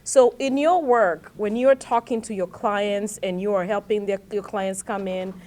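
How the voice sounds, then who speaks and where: A woman's voice: medium pitch, steady tone, unhurried, a little mellow. Woman moderating a panel discussion. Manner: summarizing, probing questions. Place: seminar hall.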